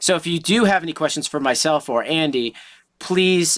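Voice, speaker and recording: The speech moves at a moderate pace. It carries an American accent. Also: man. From Massachusetts North Shore (Danvers). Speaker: music company host, musician. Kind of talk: casual interview chat. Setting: video call livestream. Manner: casual, filler-heavy.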